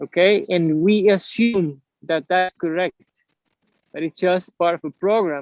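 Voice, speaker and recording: A man with a Spanish accent speaks at a high pitch with ordinary pitch variation. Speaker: contactee and spiritual group leader. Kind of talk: online group talk. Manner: halting.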